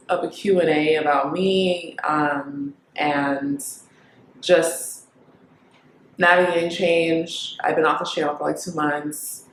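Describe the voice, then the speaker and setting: A woman's voice: low voice, slight background noise. Reflective young woman vlogger in echoey room. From Kenya. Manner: reflective, thinking aloud with many pauses and fillers. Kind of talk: casual talk to camera.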